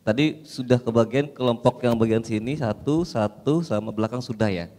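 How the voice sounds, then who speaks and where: A man's voice: medium pitch, mellow. Polite moderator man in a hall. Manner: polite, directs turns briskly.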